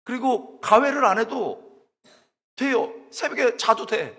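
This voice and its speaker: Husky male preacher in an echoing church. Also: very high-pitched, expressive, slow. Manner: storytelling, shouts and wails while acting out his own tearful prayer; addresses the congregation directly with questions. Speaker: pastor, guest preacher. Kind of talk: sermon. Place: church sanctuary.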